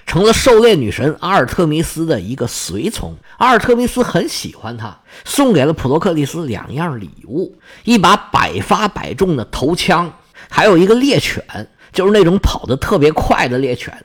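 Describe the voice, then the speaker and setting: Lively husky male storyteller. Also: fairly high pitch, normal speed. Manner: lively, folksy, chatty asides to listeners. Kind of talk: colloquial storytelling of myths.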